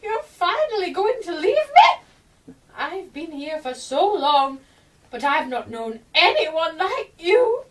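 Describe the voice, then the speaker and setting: A woman's voice: very high-pitched, very animated, takes it slowly, exaggerated voice. A woman playing an eccentric, mocking, childishly quarrelsome woman who talks in teasing riddles, in a radio play. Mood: pleading. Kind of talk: theatrical radio play acting.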